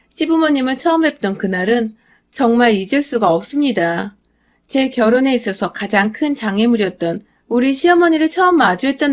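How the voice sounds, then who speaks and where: A young adult woman narrating her own story in a calm, confiding first-person retelling. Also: a little high.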